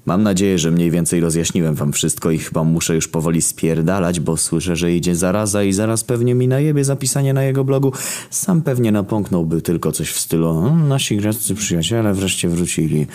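Male storyteller, extremely low register, dry and sardonic delivery. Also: brisk. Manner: deadpan, heavy swearing, wry asides. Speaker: narrator. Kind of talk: first-person story narration, crude and sarcastic.

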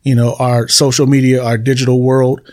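A man's voice: medium pitch, level tone, normal speed, darkish tone. A man hosting a solo podcast, talking casually to his listeners and repeating phrases for emphasis. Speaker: podcast host. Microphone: computer desk recording.

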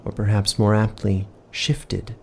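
A man's voice: on the low side, flat delivery, unhurried, creaky, slight background noise. A man working as game master, reading dramatic scripted fantasy-horror narration. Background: music.

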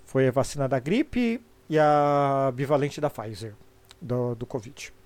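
A man's voice: medium pitch, expressive, unhurried, darkish tone, dry recording. A middle-aged Brazilian man with a congested, sniffly voice from a cold, chatting casually and opinionatedly on a live stream in informal, sweary Brazilian Portuguese speech.

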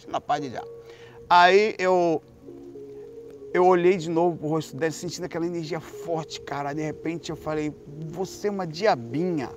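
This man, whose accent is Brazilian Portuguese, tells a long, rambling story in a relaxed monologue full of profanity, alternating between soft and loud. He speaks at a normal speed in a slightly high voice with little pitch variation, and faint music plays behind him.

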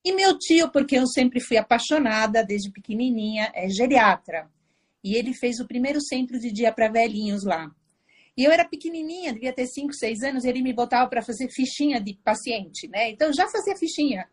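A woman from Argentina, a psychiatrist guest on a video call, telling her story in a warm, animated way. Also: a little high, brisk. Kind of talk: casual interview storytelling.

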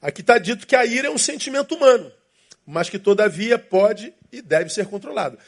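Animated and fairly quick, a high-voiced pastor delivers his sermon. He repeats key lines with emphasis and voices imagined inner thoughts to make his case.

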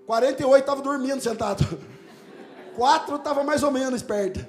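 A male pastor telling a story in a sermon, animated and lively, sometimes breaking into shouts and laughter. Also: very high-pitched, normal speed, soft background music.

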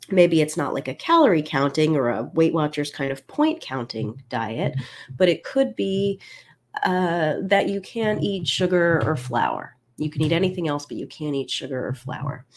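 Low-voiced congested woman coach. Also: darkish tone. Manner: chatty, candid, with small laughs and restarts. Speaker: binge eating coach. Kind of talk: live-stream talk to listeners.

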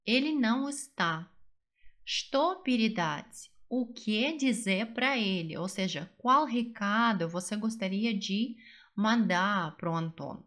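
A woman teaching a language lesson, patient and explaining step by step, slowing down for example phrases. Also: mid-range voice, a bit bright. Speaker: Russian teacher.

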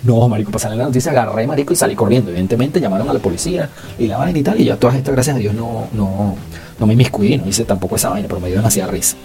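A young Venezuelan man hosting a podcast, telling stories in slangy, animated casual Spanish. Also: on the low side, very fast, vocal fry. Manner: slangy, animated, acts out dialogue. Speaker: podcast host. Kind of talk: casual storytelling.

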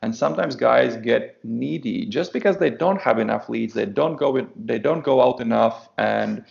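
Gravelly-voiced Latvian man, matter-of-fact. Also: medium pitch, normal speed, darkish tone. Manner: matter-of-fact, repeats words when starting sentences. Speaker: podcast guest, dating coach. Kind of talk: casual podcast chat. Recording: dull lo-fi podcast audio.

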